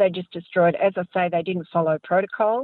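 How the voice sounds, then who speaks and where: A woman's fairly low voice with an Australian accent and fairly even intonation. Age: 60s. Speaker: wildlife activist. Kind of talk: eyewitness interview.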